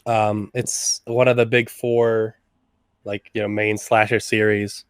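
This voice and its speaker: A man's voice: on the low side, level tone, slow pace, smooth, no echo. A young man from West Virginia, chatting as a podcast guest in a rambling, enthusiastic way. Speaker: guest, slasher fan. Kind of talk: casual podcast chat.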